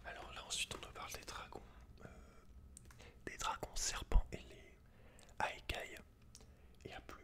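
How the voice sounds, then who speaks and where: A man whispering in breathy ASMR style, reading aloud with informal, slangy asides, close to the microphone. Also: moderate pace, long pauses. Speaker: host of an ASMR channel.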